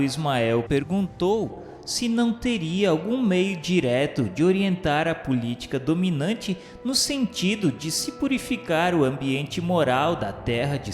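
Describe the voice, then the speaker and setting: Slow-paced male narrator in reverb. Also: medium pitch. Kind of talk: scripted radio drama narration. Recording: echoey reverberant sound, music underneath. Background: music.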